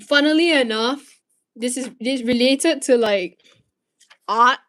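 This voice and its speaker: Malaysian teen girl streaming, kinda high voice, rambly, lots of restarts and cussing. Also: takes it slowly, a bit bright. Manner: rambling, frequent restarts and swearing. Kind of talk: casual chat answering viewer questions.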